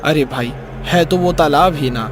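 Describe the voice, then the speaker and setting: A man's voice: a little high, unhurried, close to an everyday voice. A man voicing a curious, joking boy in casual cartoon story dialogue. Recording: music behind the voice.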